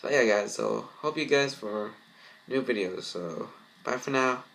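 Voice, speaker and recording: A man's voice: mid-range voice, measured pace, vocal fry, fairly bright tone. A man reading a story aloud and commenting on it, often stumbling over words and rereading them. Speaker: fan fiction reader.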